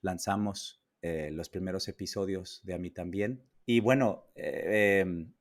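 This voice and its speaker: A man's voice: deep voice, measured pace. A Mexican man hosting a podcast interview in a casual, hesitant way, with many fillers and restarts. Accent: Mexican Spanish. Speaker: podcast host. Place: New York.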